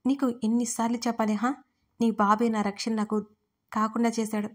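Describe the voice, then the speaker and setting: A woman voicing an angry, grieving young man in an audio story, harsh and shouting. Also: a little high, flat delivery, a little fast, natural voice.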